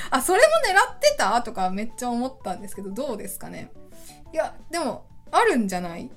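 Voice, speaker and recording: A woman hosts a casual solo podcast in a lively, chatty voice whose pitch swings widely. She sounds enthusiastic and laughs easily. Soft music plays faintly underneath. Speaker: podcast host.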